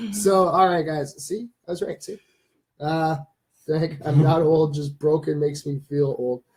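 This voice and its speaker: At a fairly slow pace, a man with an unremarkable speaking voice talks at a fairly high pitch with fairly even intonation. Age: 30s. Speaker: livestream host. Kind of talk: casual chat. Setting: live stream.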